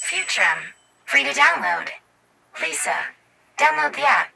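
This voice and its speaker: An actress playing the measured female voice of a phone app in an audio drama. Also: sits high, big pitch swings, gravelly, sharp tone, slight background noise, full character voice. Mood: measured, polite.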